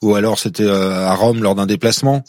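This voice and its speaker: A man hosting a news interview, briskly putting questions to his guest. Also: lowish voice, steady tone, a little mellow, no room sound, clean studio sound. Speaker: news host.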